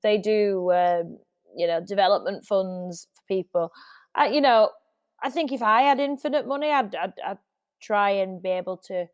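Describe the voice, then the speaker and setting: A woman's voice: mid-range voice, normal speed, dry recording, clean studio sound. A middle-aged woman, a music industry guest, chatting casually in an interview with frequent restarts. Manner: chatty, restarts often, laughs easily.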